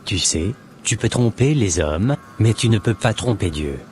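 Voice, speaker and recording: A man's voice: lowish voice, lively intonation, unhurried, darkish tone, slight background noise. A man playing an earnest, solemn born-again Christian with a preachy, formal manner in an amateur cartoon. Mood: solemn, admonishing.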